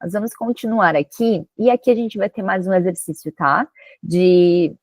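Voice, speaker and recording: A woman with a somewhat low voice teaching an English lesson. She checks in with her students after nearly every point and slows down to read the English examples with care. The recording is close and dry, with no room sound. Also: no room sound. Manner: checks in with "ok?" and "tá?" often; slow, careful English for model sentences. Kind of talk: online language lesson.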